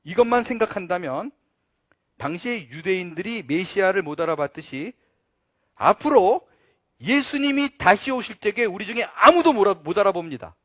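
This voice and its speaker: A male pastor preaches with a fairly high voice and earnest force. He leans hard on key points, then drops low and quiet for asides. The sound is close and dry, with no room echo. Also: lively intonation, normal speed. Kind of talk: sermon.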